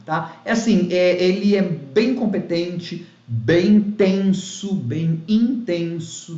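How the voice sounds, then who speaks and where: A man's voice: fairly high pitch, a little mellow. Rambling man reviewing in an echoey room. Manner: rambling, many fillers and restarts. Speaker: YouTube film reviewer. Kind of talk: casual spoken review. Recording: echoey room, dull lo-fi sound.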